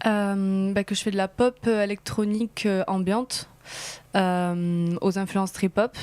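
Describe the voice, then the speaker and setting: A woman answering as a guest singer on a talk show, speaking in a hesitant, halting way. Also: mid-range voice, level tone, a little mellow, smooth. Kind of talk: unscripted interview answer. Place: TV studio.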